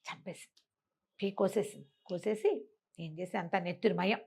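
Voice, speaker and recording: A woman's voice: fairly low pitch, moderate pace, vocal fry, a little mellow, husky. A woman telling an oral story in a colloquial, conversational way, putting rhetorical questions to her listener.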